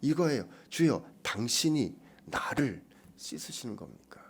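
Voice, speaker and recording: Korean pastor with lively pitch. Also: male voice, measured pace, gravelly, slight background noise. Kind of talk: expository sermon.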